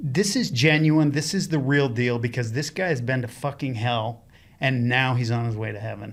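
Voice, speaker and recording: A man talks at a moderate pace with a medium pitch and ordinary pitch variation. His voice is somewhat breathy. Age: 60s. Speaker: ski mountaineer. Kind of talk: casual chat. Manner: halting, repeats words.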